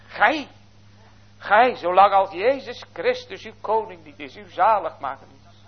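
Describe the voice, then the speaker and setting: A man preaching a sermon in a solemn way, swinging between loud cries and hushed words. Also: high-pitched, breathy edge. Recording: dull lo-fi recording.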